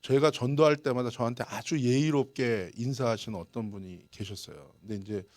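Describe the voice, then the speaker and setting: A man's voice: medium pitch, fairly quick, no echo. A male pastor preaching a sermon in a storytelling way, chuckling often and acting out the people in his anecdotes. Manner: lively anecdotes, chuckles often, acts out quoted lines. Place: church service.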